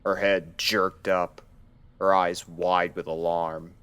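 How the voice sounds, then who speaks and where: Male narrator for scripted fiction, low-pitched voice, storytelling delivery. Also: flat delivery, slow pace, fairly bright tone, clear, resonant tone, no room sound.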